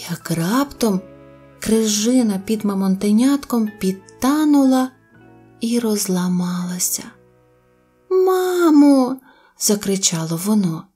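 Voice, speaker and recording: A woman narrating a children's audio tale, unhurried and gentle. Her voice is mellow and rather dark in tone. Soft music plays faintly underneath. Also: medium pitch, husky. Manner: slow, gentle storytelling. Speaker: storyteller.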